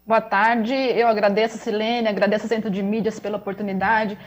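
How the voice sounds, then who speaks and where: A woman's voice: medium pitch, little pitch movement, fairly quick, rough recording. A woman with an interior São Paulo accent, a researcher and teacher trainer giving a reflective, explanatory talk over a video call. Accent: interior São Paulo (rolled caipira R). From interior of São Paulo state, Brazil. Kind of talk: web conference presentation.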